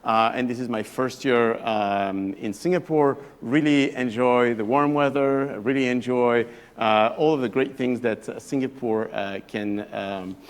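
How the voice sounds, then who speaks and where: A man's voice: medium pitch, a little slow. A man in his thirties with a French accent, a professor giving an evening talk to a live audience in a chatty, hesitant way that often restarts phrases. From France. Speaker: guest lecturer, professor.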